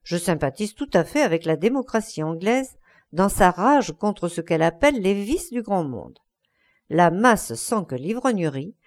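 A woman's voice: mid-range voice, a little mellow. A woman reading a languid, witty young lord.

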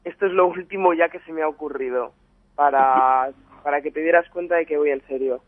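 A woman's voice: deep voice, fairly quick, no room sound. Hesitant woman on a tinny phone. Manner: hesitant, apologetic. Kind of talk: radio prank call.

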